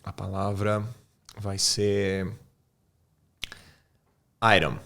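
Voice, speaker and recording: Man, from Brazil, English teacher, podcast guest, informal, keeps checking in, mid pitch. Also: moderate pace, a little mellow. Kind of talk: casual explanatory podcast talk.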